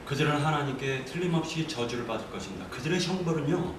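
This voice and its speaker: A man's voice: medium pitch, animated, quick pace. A man giving a passionate church testimony, denouncing and growing angry as he speaks. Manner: vehement, denouncing, rising to anger. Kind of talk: impassioned testimony. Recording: echoey room, voice from far off, faint noise.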